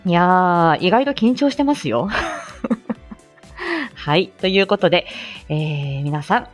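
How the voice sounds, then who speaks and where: A woman's voice: lowish voice, lively intonation, unhurried, faint music behind. A woman hosting a live stream, chatting casually with frequent laughter and many fillers. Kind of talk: casual chat.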